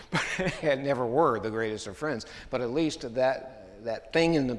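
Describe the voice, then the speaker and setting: A man preaching a sermon in a conversational, storytelling way, often chuckling to himself. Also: lowish voice. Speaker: pastor. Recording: long hall reverb.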